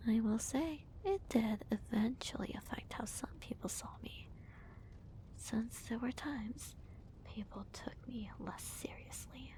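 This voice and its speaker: A woman playing a smug, theatrical villainess who gloats to her hero in a soft, breathy, deliberate whisper, as an ASMR roleplay. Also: on the high side, natural voice, low-quality recording. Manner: slow, deliberate, teasing, theatrical.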